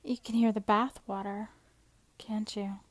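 A woman performing an intimate audio roleplay close to the mic, teasing and soft-spoken, often dropping into a whisper. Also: medium pitch, level tone, unhurried, no echo.

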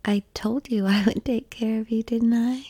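A woman whispering an intimate ASMR roleplay in a soft, coaxing, reassuring manner. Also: on the high side, fairly even intonation, normal speed, breathy edge, no room sound.

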